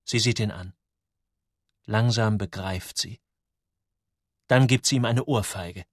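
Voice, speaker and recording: A man reading a story aloud in scripted narration, with lively, dramatic ups and downs. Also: lowish voice, slow pace, no room sound, clean studio sound. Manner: lively, dramatic storytelling with sudden drops and rises. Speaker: audiobook narrator.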